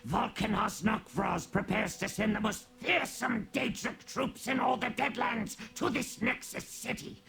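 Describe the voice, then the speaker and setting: An actor playing a pompous, grumpy old rat servant in a fantasy video game, with a creaky, theatrical delivery. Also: male voice, high voice, fairly even intonation, measured pace, hardly any pauses, bright, forceful tone, soft background music, heavily acted. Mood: indignant, scornful.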